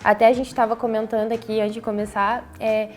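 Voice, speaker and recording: A woman's voice: fairly high pitch, level tone, fairly quick, a little mellow, faint music behind. A woman co-hosting a podcast, chatting casually and thinking aloud about her own study habits. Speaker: podcast co-host.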